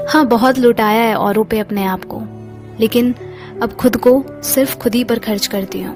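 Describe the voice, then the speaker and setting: Music plays behind a woman who speaks at a fairly high pitch with fairly even intonation. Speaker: poetry reader. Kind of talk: Hindi self-love poetry reading.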